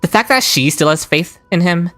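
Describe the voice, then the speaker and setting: A man's voice: high voice, expressive, moderate pace, bright, forceful tone, no echo. A young man casually commenting on a game while live-streaming, chatty and giggly as he answers his chat. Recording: stream with game music behind.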